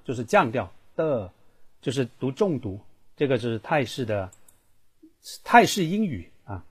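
A man's voice: mid-range voice, slightly rough. Fields: Sex: man. Role: Thai language teacher. Style: live online voice-class lesson. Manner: chatty and repetitive, keeps asking the class questions. Mic: computer microphone. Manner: chatty, repeats himself, asks the class questions.

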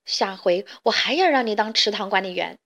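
A woman voicing a cheerful big white goose in a storybook, praising loudly and gladly. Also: mid-range voice, animated, a little fast. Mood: delighted. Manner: loud, delighted praise.

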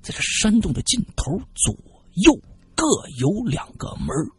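A man telling a spooky story in an animated, dramatic way. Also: on the high side, moderate pace, husky. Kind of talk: casual spoken ghost story.

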